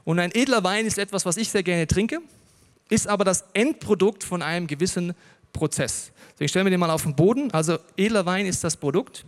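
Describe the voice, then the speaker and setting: A man's voice: high voice, a little fast. A man preaching a sermon to a live audience, telling stories and joking with the listeners. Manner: lively storytelling, jokes with the audience. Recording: long reverb of a large hall.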